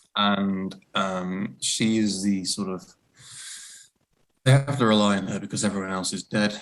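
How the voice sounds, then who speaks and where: His pitch is fairly low. The man talks with a Lancashire accent. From northern England, Lancashire. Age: 20s. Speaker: writer. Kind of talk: casual chat. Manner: halting, many fillers.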